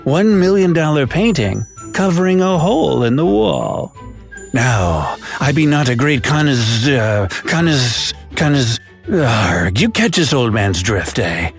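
A man's voice: mid-range voice, sing-song, a little slow, vocal fry, soft background music. A man voicing an old male pirate storyteller who tells tales of lost treasure in pirate slang with a theatrical drawl. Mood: jolly. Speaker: narrator. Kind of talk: scripted narration.

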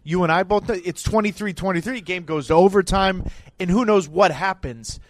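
A man from Minnesota co-hosting sports talk radio, joking and energetic as he breaks down a game. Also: high-pitched, moderate pace, dry recording. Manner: energetic, jokey, swings between loud and soft. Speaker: sports radio co-host, former player analyst.

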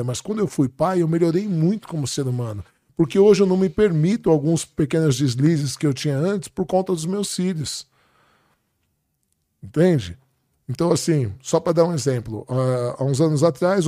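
A middle-aged man with a Brazilian Portuguese accent, animatedly recounting family anecdotes as a podcast guest. His voice sits a little high for a man, and he acts out every quoted line. The sound is dry and close. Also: dark tone, no echo. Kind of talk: casual storytelling.

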